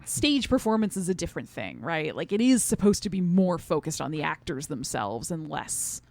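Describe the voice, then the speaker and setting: A woman's voice: low voice, very animated, normal speed, vocal fry, darkish tone. A woman co-hosting a podcast, casually talking through a review in an agreeable, affirming way. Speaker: podcast co-host.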